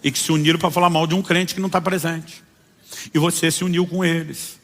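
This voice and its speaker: Husky Brazilian pastor preaching in a hall. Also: male voice, a little high, fairly quick. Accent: Brazilian Portuguese. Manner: animated storyteller acting out dialogues. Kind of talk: sermon with storytelling.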